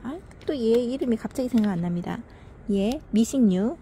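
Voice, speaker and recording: A woman's voice: a little high, animated, normal speed, mellow, a little hiss or hum. A woman filming her home veranda garden, talking fondly and chattily about each plant with little sighs. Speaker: succulent gardening vlogger. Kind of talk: casual narration while filming plants.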